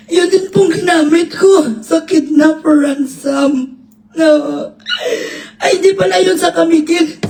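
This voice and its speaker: A woman's voice: very high-pitched, vocal fry, darkish tone, reverberant, full character voice, rough recording. A woman putting on the voice of a tearful, flustered witness who stumbles over her words. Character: sobbing flustered witness at a hearing.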